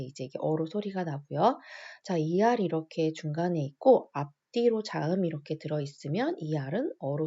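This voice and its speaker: Gravelly-voiced woman teaching phonics. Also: deep voice, dark tone, highs cut off. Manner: patient, repeats each rule and asks the viewer small questions. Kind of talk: spelling out words step by step for adult learners.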